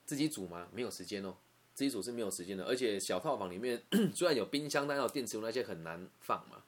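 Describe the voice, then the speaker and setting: A young man with a Taiwanese Mandarin accent tells his own story in a quick, conversational way. His voice sits fairly low, and he often repeats himself and turns to the listener with little questions. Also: expressive. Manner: emotional, conversational, repeats words and asks "you know?". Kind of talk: personal storytelling monologue.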